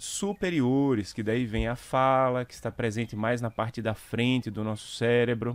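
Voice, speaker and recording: Very clean recording with a silent background, a man speaking fairly slowly. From Natal, Rio Grande do Norte, Brazil. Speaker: neurosurgeon. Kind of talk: radio interview. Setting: studio.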